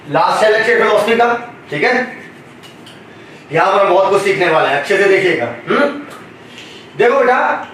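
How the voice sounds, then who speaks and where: A man's voice: high voice, a bit bright, slight background noise. A man teaching biology to a class. He calls the students "beta" and keeps asking questions for them to answer. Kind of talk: classroom lecture. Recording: echoey classroom from far off.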